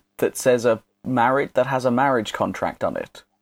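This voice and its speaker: In a dry, close sound with no echo, a man speaks at a fairly slow pace and medium pitch in a plain, everyday voice. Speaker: podcast host. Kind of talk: casual banter, podcast chat. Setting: video call. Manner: laughing, jokey.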